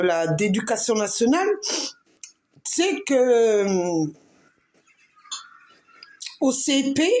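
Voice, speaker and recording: A woman's voice: a little high, darkish tone. A woman from France rambling casually to camera as a vlogger, often breaking into giggles and talking straight to the president.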